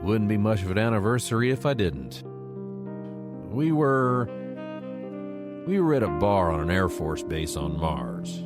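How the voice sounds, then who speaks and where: An actor playing a stoic, nostalgic stranded military man in an audio drama, measured and reflective. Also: fairly low pitch, big pitch swings, over music. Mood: nostalgic, steady. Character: stoic, nostalgic male military survivor stranded on a desert planet.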